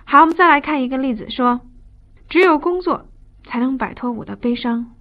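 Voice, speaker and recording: A woman English teacher giving a recorded classroom lecture, switching between quick chatty explanations and slow drilled phrases. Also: sits high, animated. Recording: dull lo-fi video lecture audio.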